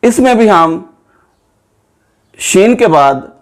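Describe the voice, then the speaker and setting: A man with a Pakistani Urdu accent gives a spelling lesson at a very unhurried pace. His voice sits a little high for a man, and he sounds out each letter and stretches the example words so learners can follow. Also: expressive. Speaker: teacher. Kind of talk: slow, methodical spoken lesson.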